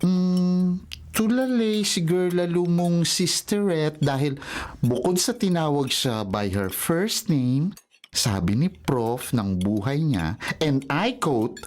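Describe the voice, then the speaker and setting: A man's voice: fairly high pitch, a little mellow. A man acting a sassy, teasing gay best friend in a Filipino radio romcom, campy and gossipy with slangy Taglish.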